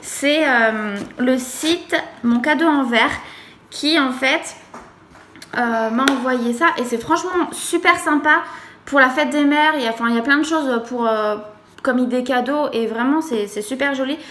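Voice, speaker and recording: A woman's voice: high-pitched, measured pace, a bit bright, a little hiss or hum. A young pregnant woman talking casually to camera in a family vlog, chatty and hesitant with many fillers. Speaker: vlogger and childminder.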